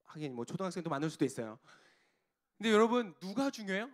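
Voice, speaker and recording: A man's voice: high voice, very animated, fast talker. A male pastor preaching a sermon to a young congregation, often putting questions to them and answering them himself.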